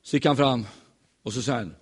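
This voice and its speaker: A man preaching in a church, telling stories in a lively, joking way and acting out the voices of the people in them. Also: mid-range voice, husky. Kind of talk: humorous sermon storytelling.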